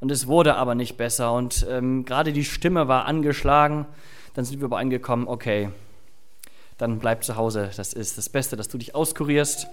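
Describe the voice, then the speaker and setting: A man's voice: mid-range voice, fairly even intonation, normal speed. A man preaching, reading scripture and chatting casually with the congregation with fillers and asides. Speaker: pastor. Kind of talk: sermon with Bible reading.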